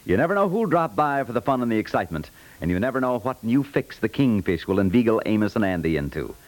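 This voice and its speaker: A man's voice: fairly low pitch, very animated, quick pace, poor audio. A male American announcer reading a scripted 1950s radio promotion.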